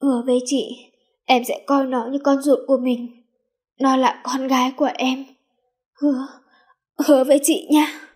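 A woman voicing a gentle, playful pregnant young woman who coaxes and dotes affectionately. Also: a little high, steady tone, normal speed, lightly acted. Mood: tender. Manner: coaxing, affectionate.

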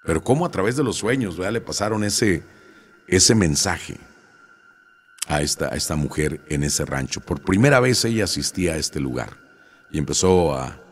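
A man's voice: low voice, animated, normal speed, husky. A middle-aged man, telling stories conversationally and recounting talks with people, with frequent fillers. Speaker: storyteller. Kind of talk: casual storytelling to an audience.

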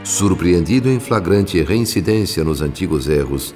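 A man's voice: deep voice, lively intonation, moderate pace. A man with a Brazilian accent narrating a radio soap opera in a dramatic, scripted style. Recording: long reverb, music behind.

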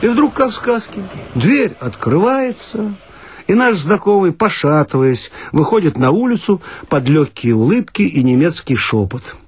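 A man's voice: sits high, very animated, measured pace, husky, dry recording. A man reading a comic story aloud with ironic, mock-serious narration. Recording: dry archival radio recording.

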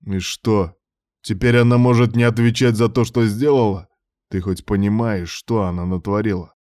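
A cold, vengeful man, voiced by the male narrator speaks in a very low, deep voice with clipped, contemptuous menace. His bitterness stays hard and controlled in this audiobook. The recording is dry and close. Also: steady tone, normal speed, darkish tone, dry recording, close to an everyday voice. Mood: bitter anger. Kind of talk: audiobook character voice.

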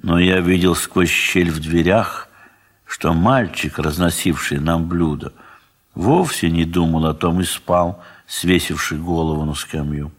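For a 1970s Soviet audio drama, a man with a voice that sits low narrates a classic story. He takes a dramatic literary approach, letting measured, expressive pauses shape it.

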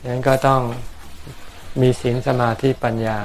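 A Buddhist monk calmly answering questions from his followers in plain words, with homely examples and touches of dry humor. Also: medium pitch, measured pace, a little hiss or hum. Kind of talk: dharma talk answering questions.

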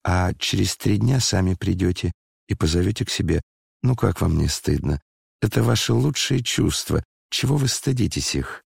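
Guy doing a gentle young prince, soft and earnest, low and gravelly. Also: animated, normal speed, no echo, clean studio sound, full character voice.

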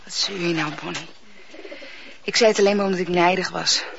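Een korzelige, eenzame jonge vrouw. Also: female voice, lowish voice, steady tone, fairly quick, gravelly, fairly bright tone, dull audio, slight background noise. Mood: irritated. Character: grumpy, lonely young woman teaching a boy. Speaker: woman giving lessons. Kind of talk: radio drama acting.

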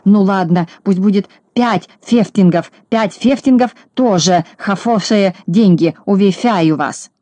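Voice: medium pitch, a little slow, hardly any pauses, mellow, no echo, close to an everyday voice. A reader voicing a miserly rich little male who grumbles, haggles and says F in place of R, in a dry audiobook recording. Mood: grumbling. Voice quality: lisp, says F instead of R. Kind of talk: audiobook narration.

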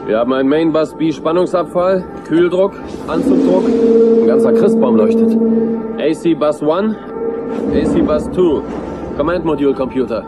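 An uneasy astronaut pilot in a film drama. He gives clipped technical callouts in a slightly high male voice, with loud music underneath. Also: lively intonation, normal speed. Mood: alarmed, bewildered.

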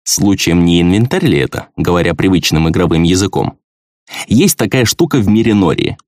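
Male audiobook narrator, lowish voice, very lively pitch, dry close sound. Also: a little fast, dry recording. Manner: expressive, conversational. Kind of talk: first-person fantasy audiobook narration.

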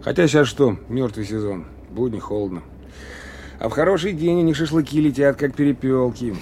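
A man plays a chatty junior police lieutenant in a radio play. His mid-pitched voice is matter-of-fact and a little grumbling, with clear vehicle-like noise behind it. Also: moderate pace, a little mellow, lightly acted. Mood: chatty, amused. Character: easygoing, grumbling male police lieutenant, a subordinate. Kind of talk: audio drama acting.

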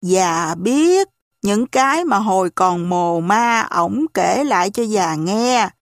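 A woman doing an old deaf-ish landlady who frets and gossips, grumbling low and slow, for a storybook reading. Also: expressive, no echo, studio quality. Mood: confiding. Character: old hard-of-hearing landlady, gossipy and fretful. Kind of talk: audiobook character voice.

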